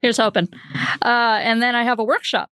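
A woman's voice: on the high side, fairly even intonation, normal speed, pushed and bright, clean tone, no room sound, clean studio sound. A woman casually describing her character in a tabletop game, chatty with frequent fillers and laughs. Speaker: player.

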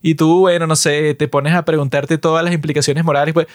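A man's voice: brisk, no echo, clean studio sound. A man co-hosting a casual chat show, retelling scenes animatedly and acting out the characters. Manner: animated retelling, acts out scenes with raised pitch. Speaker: podcast co-host.

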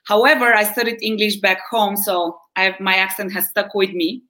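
Woman, 40s, Bulgarian accent, podcast guest, chatty and quick to laugh. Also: mid-range voice, bright, forceful tone. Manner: chatty, laughs often, adds "right?". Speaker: guest, wellness coach. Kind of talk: conversational interview.

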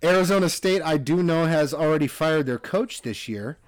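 Rambling man, slightly high voice. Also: expressive, moderate pace, no echo, studio quality. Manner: rambling, self-correcting, chuckling. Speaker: podcast co-host. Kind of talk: casual sports chat.

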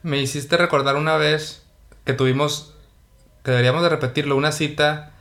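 Relaxed man podcast co-host. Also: a little high, a little fast, vocal fry. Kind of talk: casual chat.

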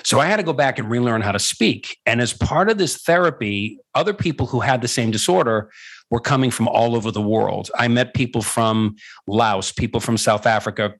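Male, middle-aged, medium pitch. Interview guest and coach, conversational storyteller with emphatic, repeated phrasing. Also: animated, a little fast, fairly bright tone. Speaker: guest, voice-over coach and former voice actor.

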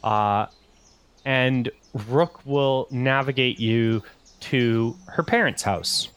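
A man's voice: medium pitch, extremely slow, a bit bright, clean tone. A man narrating as game master, rambling with many fillers.

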